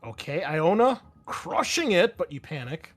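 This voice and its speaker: A man's voice: fairly high pitch, sing-song, a little slow. A man running a tabletop roleplaying game, explaining action and rules in a casual, profane way. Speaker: game master.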